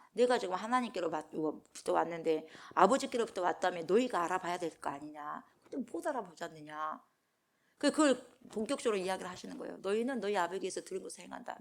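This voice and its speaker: A middle-aged woman pastor preaching at a dawn prayer service. She speaks with emphasis, puts questions to the congregation and answers them herself, and raises her voice when she acts out the speakers in scripture. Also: medium pitch.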